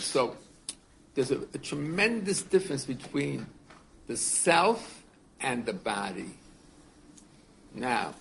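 A man in his seventies teaching a class as a rabbi, his voice carrying a gravelly edge. He talks in an earnest, unhurried way, circling back over his words and putting questions to the room. A faint hiss sits under the recording. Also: mid-range voice, a bit bright. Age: 70s. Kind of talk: casual torah class.

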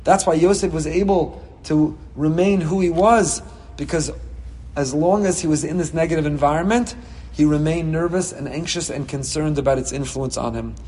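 A man giving a Torah class as a rabbi, reading Hebrew texts and explaining them with passion, swinging between soft and loud. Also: a little high, normal speed, in a large hall. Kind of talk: Torah class on the weekly portion.

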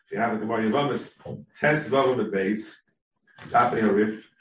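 A man leading a Talmud class, thinking aloud and reading out sources with quick asides. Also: on the low side, a bit bright, reverberant, far from the mic, a little hiss or hum, poor audio. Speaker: Talmud teacher. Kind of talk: text-based Talmud class.

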